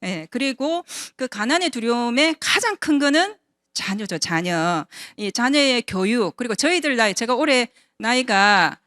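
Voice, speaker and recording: This woman in her fifties speaks a little high with big pitch swings and a measured pace, her tone a bit bright. As an invited business seminar speaker, she gives a conversational personal testimony and asks the audience rhetorical questions, captured in clean studio sound with no room sound.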